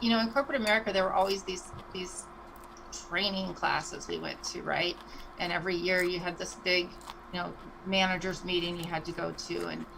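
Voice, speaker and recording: A woman, co-hosting a business show in casual, animated chat. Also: medium pitch, noisy background. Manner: chatty and animated, voices her own thoughts in quick asides. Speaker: co-host of a franchise business livestream.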